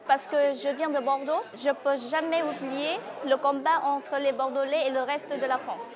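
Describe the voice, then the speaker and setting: A woman's voice: high voice, steady tone, normal speed. A woman, a doctoral student, telling casual amused anecdotes. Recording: crowd chatter behind.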